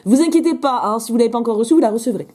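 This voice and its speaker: A woman's voice: on the high side, expressive, racing, mellow. Chatty woman, still a bit sick. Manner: chatty, gushing over drawings, interrupts herself. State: recovering from illness, voice a bit rough. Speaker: YouTuber opening fan mail. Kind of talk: casual vlog chat.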